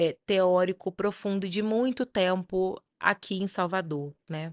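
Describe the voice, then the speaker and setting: Speech comes at a very slow pace in a strong Carioca accent with fairly even intonation. The sound is dry and close with no echo, over a quiet background. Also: woman, medium pitch for a woman. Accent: carioca Portuguese, still strong. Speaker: educator and anti-racism consultant. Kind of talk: interview conversation.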